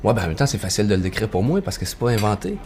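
Storyteller guest, man, Québécois accent, low voice, easygoing folksy delivery. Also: big pitch swings, rapid-fire, darkish tone, slight background noise. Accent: Québécois French. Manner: easygoing and folksy, with loose fillers and tags. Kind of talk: casual conversation.

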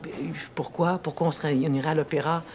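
A woman's voice: deep voice, quick pace, slight background noise. A middle-aged woman with a Québécois French accent, chatting over lunch and telling a story about her life with lots of laughter. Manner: animated storyteller, laughs often. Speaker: guest actress. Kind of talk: casual chat over lunch.

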